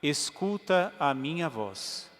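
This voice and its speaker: A man reading a calm, solemn Jesus. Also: on the high side, takes it slowly, full character voice. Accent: Brazilian Portuguese. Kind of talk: liturgical Passion reading. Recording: long church reverb.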